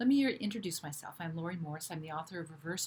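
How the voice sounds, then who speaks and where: A woman's fairly low voice comes across somewhat breathy. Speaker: health coach and author. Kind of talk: online class. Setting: live online class, recorded. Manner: fast.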